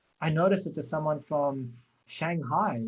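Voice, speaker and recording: Against a quiet background, a man with an Australian accent talks with ordinary pitch variation. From Australia, Melbourne. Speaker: event moderator. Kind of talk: live virtual panel moderation. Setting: live video stream.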